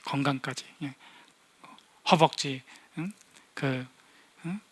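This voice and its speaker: A man preaching a Sunday sermon as a pastor, animated, with sudden loud emphasis and quick voiced asides. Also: a little high. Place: church sanctuary.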